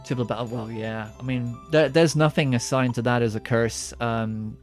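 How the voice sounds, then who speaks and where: A man rambles through a casual podcast chat, doubling back on his words and padding them with ums and uhs. His pitch sits right in the middle of the male range, and his delivery stays relaxed and conversational. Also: moderate pace, soft background music. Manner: rambling, many restarts and fillers. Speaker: podcast co-host.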